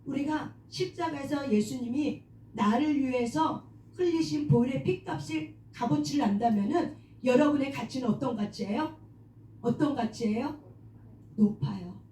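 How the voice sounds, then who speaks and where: A woman's voice: sits high, mellow, recorded from a distance, slight background noise. A woman leading a prayer meeting, preaching on forgiving oneself, asking the audience questions, answering them herself and calling for amens. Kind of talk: sermon on self-forgiveness. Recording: echoey room, voice from off-mic.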